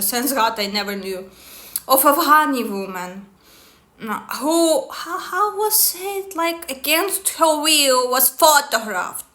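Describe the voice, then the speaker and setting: A woman's voice: high voice, pushed and bright. A woman speaking slightly broken English in an angry, scornful, profane monologue. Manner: non-native English grammar. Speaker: tarot and destiny matrix reader.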